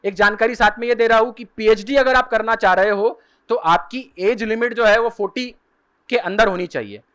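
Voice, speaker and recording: High-voiced man giving a seminar talk. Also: a bit bright, smooth. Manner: explanatory, repeats key terms slowly. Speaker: career guidance speaker. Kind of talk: lecture at a seminar. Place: seminar hall.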